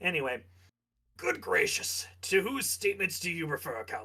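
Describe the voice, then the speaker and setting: Putting on a raspy character voice, a man speaks with a high pitch at a moderate pace. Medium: game stream. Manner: formal, courteous.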